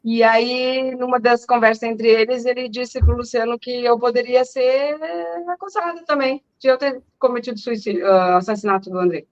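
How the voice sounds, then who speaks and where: A middle-aged woman, a podcast guest and mother, telling her story earnestly and loudly, often repeating words. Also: a little high, moderate pace, no room sound, muffled recording. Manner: self-described loud speaking voice. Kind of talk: emotional personal testimony.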